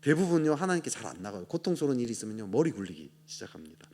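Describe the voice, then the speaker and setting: A man pastor preaching a sermon, swinging between loud urgent rises and low quiet endings. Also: big pitch swings, very fast, breathy edge.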